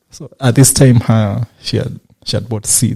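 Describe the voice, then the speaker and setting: A soft-spoken man with a dark, mellow, somewhat breathy tone. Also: dry, close sound with no echo. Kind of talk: podcast interview, personal storytelling. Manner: witty.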